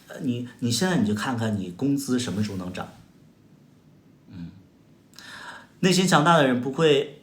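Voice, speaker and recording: A man with a Northeastern Mandarin accent hosts a livestream, trading mocking, combative comebacks with viewers. His pitch leaps up and down with lively animation, and his voice rings out in a roomy, echoey space. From Heilongjiang, China. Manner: sarcastic, combative, mocking retorts with exaggerated exclamations. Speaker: livestream host. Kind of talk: casual livestream chat answering viewer comments. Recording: echoey room sound.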